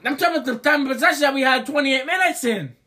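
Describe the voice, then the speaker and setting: Guy w a high bright voice going off in a football argument, stutters n repeats, kinda hoarse from yelling. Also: racing. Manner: stammering, repeats himself, keeps cutting in. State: losing his voice. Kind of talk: heated sports debate.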